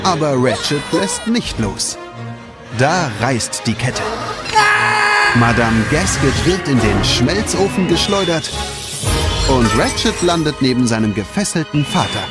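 A man tells a children's story as scripted narration. His delivery is animated, with plenty of movement in the pitch. Loud music plays behind him. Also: measured pace. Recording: music under the voice. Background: prominent music.

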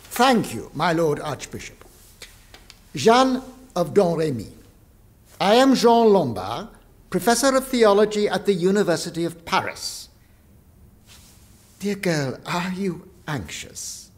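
A man playing a courteous, probing medieval theology professor in an audio drama, formal and deliberate. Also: high-pitched, big pitch swings, exaggerated voice.

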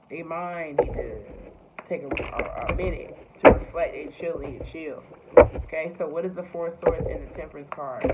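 A woman giving a casual tarot reading, talking loosely with lots of fillers and swearing. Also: fairly low pitch. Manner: loose, profane, filler-heavy talk. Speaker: tarot reader. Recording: tinny phone-like sound with faint noise.

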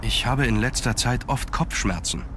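An actor playing a brooding young nobleman in an adventure game, speaking in a measured, sombre manner. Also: mid-range voice, expressive, noisy background, close to an everyday voice. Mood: sombre, pensive. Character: brooding young nobleman searching an old castle. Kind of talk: scripted adventure game dialogue.

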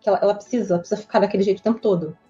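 A Brazilian child psychologist with a Brazilian Portuguese accent patiently explains emotions in an interview, going step by step and often checking in with "né?". She is earnest and patient, racing along in a steady, warm, medium-pitched voice. Faint music plays behind the slightly dull lo-fi audio.

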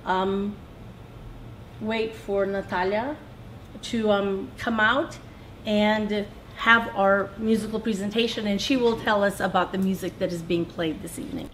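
A middle-aged woman giving warm welcoming remarks before a lecture, with "um"s between phrases. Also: medium pitch, steady tone, unhurried, slight background noise, low-quality recording. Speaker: guest speaker introducing the lecturer. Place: small lecture hall.

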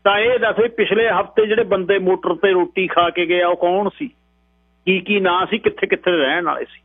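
A stern, menacing police inspector who barks orders, as a male storyteller puts him on. The voice sits higher than the teller's own. It comes through a thin, phone-like radio line with a steady mains hum. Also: fairly quick, dry recording. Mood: commanding. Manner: bossy, menacing, orders people about.

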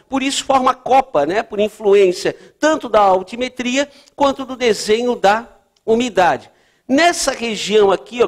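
A man teaching geography for a test-prep course, explaining at a board and checking in often with his students. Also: high voice. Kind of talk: lecture at a board.

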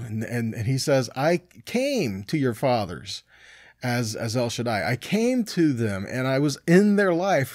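A man in his forties teaching scripture in a conversational, animated sermon style. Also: mid-range voice, no room sound, clean studio sound. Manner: conversational, animated, frequent "right?" and "okay?" tags. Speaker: Bible teacher.

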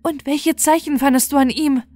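A woman's voice: high-pitched, fairly even intonation, moderate pace, a little mellow, faint music behind, pitched above the performer's own voice, lightly acted. A woman voicing a heartbroken beggar mother in a fairy tale, imploring and emotional. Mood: urgent. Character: pleading, heartbroken beggar woman seeking her lost son.

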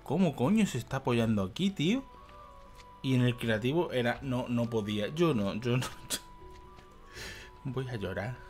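A man's voice: mid-range voice, expressive, moderate pace, a little mellow, faint music behind. A young man commentating a video game, exasperated, swearing and muttering to himself. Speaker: gaming youtuber. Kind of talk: let's play commentary.

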